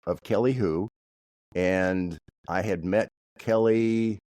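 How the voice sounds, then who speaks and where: A man from Kansas co-hosting a podcast, telling stories in a halting way with many restarts. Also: sits low, fairly even intonation, darkish tone, dry recording. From Kansas, USA. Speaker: podcast co-host. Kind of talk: casual podcast chat.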